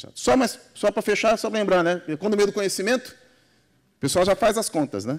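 A man's high voice at a very fast pace, with ordinary pitch variation, over a quiet background. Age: 40s. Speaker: university technology transfer coordinator; conference presenter. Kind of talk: conference talk. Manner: halting, many fillers. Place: hall. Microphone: podium.

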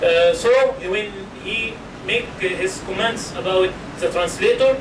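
Someone speaks at a fairly slow pace with an Arabic accent. Noticeable background noise is present. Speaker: Wikipedia volunteer presenter. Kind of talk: conference presentation. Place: hall. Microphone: camera far.

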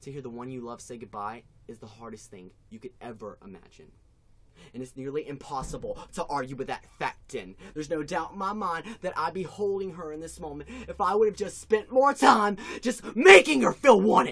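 A man's high-pitched voice at a moderate pace, with very wide pitch swings and big swings in loudness. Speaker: spoken word poet. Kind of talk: spoken word poem, confessional breakup monologue. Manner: raw, emotionally charged and regretful; building intensity, anguished outbursts. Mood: regretful, heartbroken. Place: garage. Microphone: webcam.

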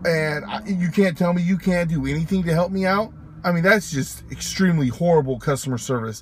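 At a moderate pace and fairly high pitch, a man speaks with ordinary pitch variation, in dry sound with no echo and music in the background. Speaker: video blogger and gamer. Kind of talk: angry rant to camera, venting about a bad customer service call. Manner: indignant and heated, with stressed, emphatic swearing; casual, with many filler words and repeated phrases. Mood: annoyed, frustrated. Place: car. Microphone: phone near.

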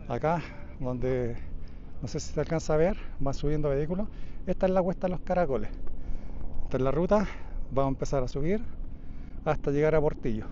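The speech moves at a fairly quick pace with ordinary pitch variation, a dry sound with no echo, and light background noise. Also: man. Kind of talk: casual vlog commentary. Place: open country. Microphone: phone near.

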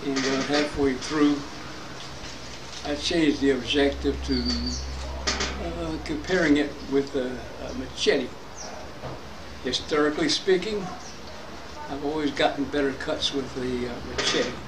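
Over noticeable background noise, a man talks at a fairly slow pace with long, frequent pauses. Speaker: kukri enthusiast. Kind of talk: casual talk to camera. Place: garden. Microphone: camera far.

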